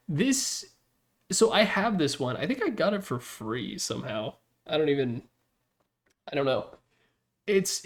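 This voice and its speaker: A man giving casual, opinionated commentary as the host of a ranking, talking in a rambling, blunt, slangy way. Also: mid-range voice. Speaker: host ranking video game announcer packs.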